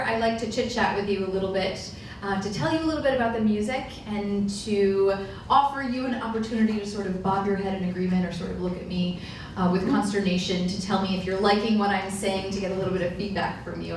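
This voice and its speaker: Chatty woman pianist in a big echoey hall. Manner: chatty, explanatory, with frequent ums and self-corrections. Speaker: concert pianist. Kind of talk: spoken concert introduction. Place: large echoey concert hall. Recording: far-off echoey hall with faint rumble.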